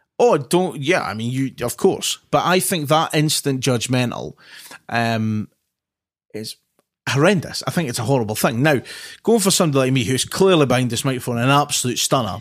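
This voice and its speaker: An unremarkable speaking voice with lively intonation is heard on a very clean recording with a silent background. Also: man, medium pitch for a man, moderate pace. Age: 30s. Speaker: podcast host. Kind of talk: casual chat.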